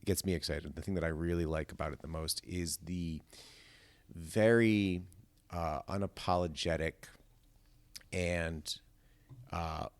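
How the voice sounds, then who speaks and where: A man's voice: low voice, fairly even intonation, unhurried, pauses often, no room sound. An American man chatting casually as a podcast guest, with a dry, wry, self-deprecating way of talking. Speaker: podcast guest, amateur actor. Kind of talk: casual chat.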